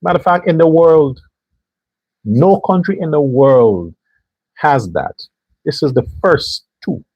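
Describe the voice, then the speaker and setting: A man's voice: a little high, expressive, unhurried, pauses often, dry recording, lo-fi sound. A man hosting a political commentary show, delivering an emphatic monologue straight to his viewers. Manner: emphatic, talks straight to viewers, mock voices for others.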